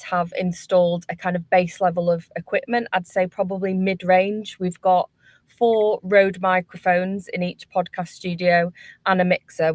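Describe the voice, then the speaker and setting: Woman panelist, slightly low voice, little pitch movement, explanatory webinar talk, dry sound. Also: dry recording. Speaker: workspace company panelist.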